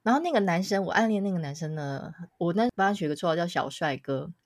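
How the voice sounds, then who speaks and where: A young adult woman telling a story on a podcast, animated and laughing often, acting out what people said. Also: fairly low pitch, fast talker, no echo, clean studio sound. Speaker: podcast co-host. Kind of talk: casual chat, storytelling.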